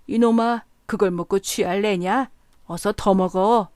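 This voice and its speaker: A woman's voice: mid-range voice, a little slow, darkish tone, dry recording, studio quality, natural voice. Woman voicing a drunk bellowing rickshaw man. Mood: drunk angry. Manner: bellowing, cursing, slurring boasts.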